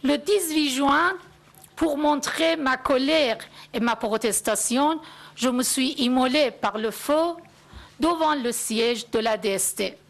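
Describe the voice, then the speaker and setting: A woman in her forties from Iran, speaking, giving a prepared first-person testimony in a measured, solemn way. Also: high voice. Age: 40s. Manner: measured, solemn, deliberate phrasing.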